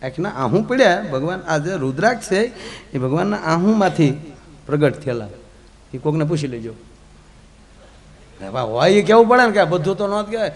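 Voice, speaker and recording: A man telling comic folk stories in a lively, jokey way, moving between loud outbursts and hushed asides. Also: on the high side, moderate pace, long pauses. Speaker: folk storyteller.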